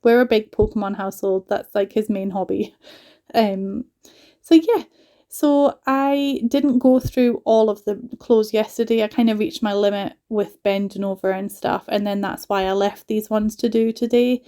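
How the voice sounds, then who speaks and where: A woman from northeast England with a soft mixed Geordie and Scottish accent, chatting casually through a home vlog voiceover with lots of "like" asides. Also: mid-range voice, moderate pace. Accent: soft mix of Geordie and Scottish. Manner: chatty, rambling, frequent "like" asides. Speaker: home vlogger and mother.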